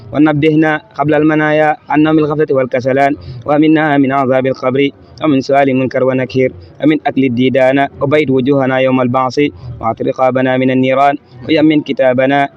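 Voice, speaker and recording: A man leading an Islamic supplication, reciting formulaic parallel phrases in a rhythmic litany. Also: mid-range voice. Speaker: prayer leader. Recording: dull lo-fi recording.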